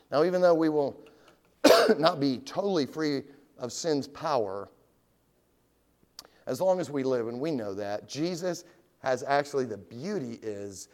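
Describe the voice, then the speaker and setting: A middle-aged man preaching an evening sermon in a conversational, animated way, putting question after question to his congregation. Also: medium pitch. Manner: asks the congregation direct questions. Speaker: pastor.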